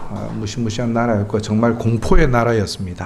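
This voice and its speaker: Noticeable background noise runs through the clip. There is also audible room echo. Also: man. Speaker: missionary. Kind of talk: sermon. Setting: church.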